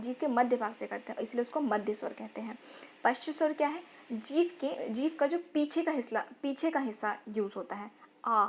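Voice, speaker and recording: A woman's voice: on the high side, a bit bright. A woman teaching grammar in an online lesson, sounding out vowels and repeating phrases as she explains.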